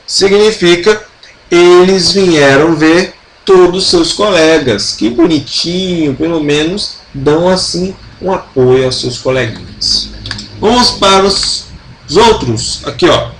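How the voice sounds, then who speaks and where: A Brazilian man with a fairly high voice leads a relaxed French lesson, speaking very slowly and repeating each example with care. His chatty, joking asides keep it informal. The recording is roomy, with a faint hum behind him. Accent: Brazilian Portuguese. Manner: chatty, playful asides, slow careful repetition of example sentences. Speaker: French teacher. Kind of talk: casual online grammar lesson.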